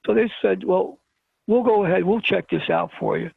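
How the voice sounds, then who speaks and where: A man's voice: high voice, moderate pace, no room sound. A man with a Brooklyn accent, a talk show guest telling a personal story and acting out the dialogue. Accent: New York (Brooklyn). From Brooklyn, New York. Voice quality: gravelly, husky voice. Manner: animated storyteller who acts out dialogue. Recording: tinny phone-line call-in.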